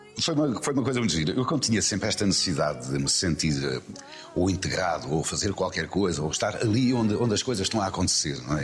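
A man talks at a fairly quick pace and a fairly low pitch, with very wide pitch swings. Noticeable background noise runs beneath him. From Portugal, Ribatejo. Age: 60s. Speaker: actor. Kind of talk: interview. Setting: outdoors.

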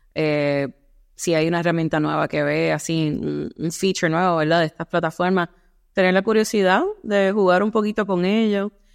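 With a Puerto Rican accent, a woman speaks at a moderate pace with ordinary pitch variation over a quiet background. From Puerto Rico. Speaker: marketing executive. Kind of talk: interview.

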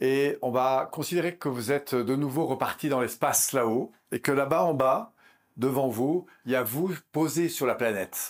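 In a very clean recording with a silent background, a man with a fairly high pitch speaks at a fairly slow pace, keeping very even loudness and ordinary pitch variation. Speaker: NLP trainer. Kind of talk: guided visualization.

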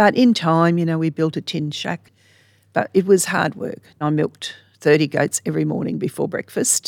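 In a very clean recording with a silent background and a dry, close sound free of echo, a woman with an Australian accent speaks at a moderate pace in a fairly low pitch with ordinary pitch variation. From Sydney, Australia, then rural Queensland. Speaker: gift shop owner. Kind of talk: personal testimony interview.

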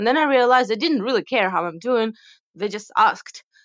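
A woman with a Ukrainian accent, fairly quick, with lively intonation. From Ukraine. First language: Ukrainian or Russian. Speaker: interviewee, Ukrainian who lived in the US. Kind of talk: casual interview chat. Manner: halting, hesitant with fillers.

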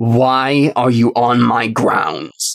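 A man does a raspy, put-on character voice at a medium pitch with ordinary pitch variation. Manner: stern, accusing.

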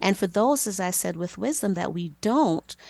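In a dry, close sound with no echo and a quiet background, a woman speaks at a medium pitch. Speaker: therapist. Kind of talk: interview. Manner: calm.

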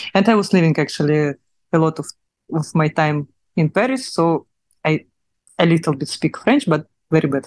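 A woman's very deep, low voice with a Russian accent, ordinary pitch variation, a moderate pace and long, frequent pauses. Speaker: singer and artist. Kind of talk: interview.

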